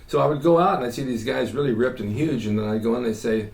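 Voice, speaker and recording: A man as an interview guest, telling rapid, joking anecdotes about his acting jobs. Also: medium pitch, vocal fry, darkish tone. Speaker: guest, former actor and bodybuilder. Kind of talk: casual interview chat. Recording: echoey room with faint background hum.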